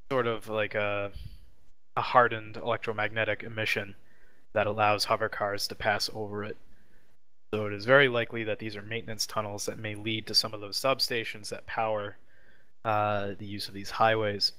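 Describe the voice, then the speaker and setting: A man narrating a tabletop role-playing game as game master, improvising haltingly as he searches for words. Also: fairly low pitch, sharp tone.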